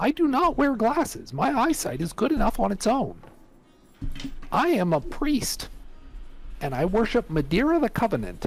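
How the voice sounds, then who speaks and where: Over music in the background, a put-on character voice moves at a moderate pace with very wide pitch swings and long, frequent pauses. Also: man, extremely high pitch for a man. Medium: actual play. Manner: polite, earnest.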